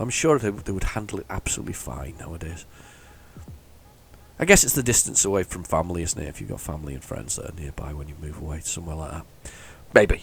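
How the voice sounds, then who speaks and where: A man mumbles quietly in a put-on character voice, raspy and very deep, with lively intonation. He talks at a very fast pace, broken by long, frequent pauses. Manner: mumbling, quiet.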